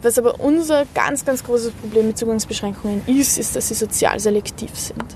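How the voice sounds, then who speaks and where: With hardly any pauses, a woman talks at a moderate pace, her fairly high pitch showing ordinary variation over noticeable background noise. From South Tyrol, Italy. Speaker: student union representative. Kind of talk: interview. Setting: outdoors on a rooftop.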